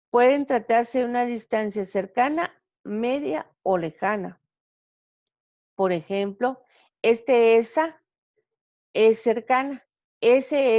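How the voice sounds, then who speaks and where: Woman teacher going slow over slides, lots of ums and fixes, dry dull lo-fi audio. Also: on the high side, darkish tone, no echo. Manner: slow, halting delivery with frequent fillers and self-corrections. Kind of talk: recorded grammar lecture over slides. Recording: dull, lo-fi sound.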